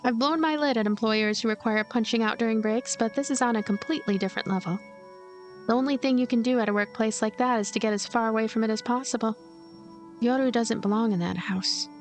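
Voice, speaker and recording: A woman's voice: on the high side, a little fast, faint music behind, natural voice. A woman voicing a lonely, blunt and protective young ghost girl in a visual novel, earnest and plain-spoken. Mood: indignant.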